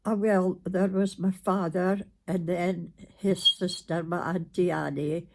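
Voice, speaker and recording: A woman's voice: fairly low pitch, steady tone, slow pace, slight background noise. An elderly woman from north-east Scotland with a Doric accent, reminiscing in an informal interview with brief, plain-spoken answers. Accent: north-east Scottish Doric.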